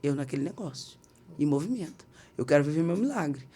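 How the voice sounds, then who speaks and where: A young woman telling a personal testimony on a podcast, animated, acting out the people she quotes. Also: low voice, fairly quick, slightly rough. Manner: animated, acts out quoted dialogue. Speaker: guest singer. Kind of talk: podcast testimony, casual storytelling.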